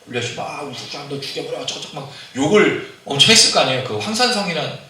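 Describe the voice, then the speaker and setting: A man's voice: a little high, big pitch swings, fast, bright, forceful tone, slight background noise. A man preaching a sermon as pastor, talking conversationally and putting frequent questions to the congregation. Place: church sanctuary. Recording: very echoey hall, mic at a distance.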